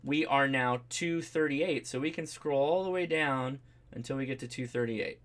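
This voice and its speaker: Hosting a ham radio livestream, a man speaks at normal speed in a mid-range, slightly bright voice. The talk is a casual live tutorial: informal, chatty and explanatory, with him checking in through "right?" and "okay?" while explaining each step hands-on.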